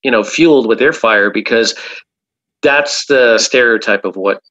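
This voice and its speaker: A man's voice: medium pitch, unhurried, pushed and bright, dull audio. A man, a hypnotherapist guest in an interview, talking emphatically and often repeating "absolutely". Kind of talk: casual interview talk.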